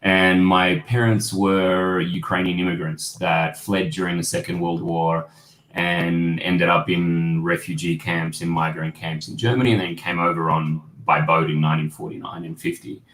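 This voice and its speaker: A man's voice: low-pitched, level tone, moderate pace, a bit bright. A man, a guest photojournalist talking over a video call, reflective and rambling with many fillers. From Australia. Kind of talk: casual interview storytelling. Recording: roomy home-office echo.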